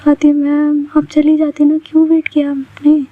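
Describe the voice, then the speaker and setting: A woman's voice: sits high, monotone, normal speed, slight background noise, close to an everyday voice. A woman voicing a young female student who is chatty, defensive and evasive. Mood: plain. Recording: dull lo-fi recording.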